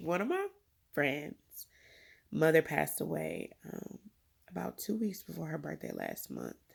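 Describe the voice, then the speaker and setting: The speaker uses a raspy, put-on character voice at a moderate pace. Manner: emotional, grieving.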